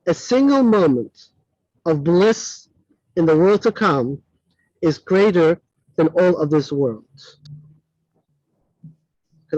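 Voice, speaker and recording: Animated man teaching a class. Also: high voice, no echo. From Switzerland. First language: not English. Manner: animated, self-correcting, chatty asides. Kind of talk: classroom lecture with audience questions. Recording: dull lo-fi dry recording.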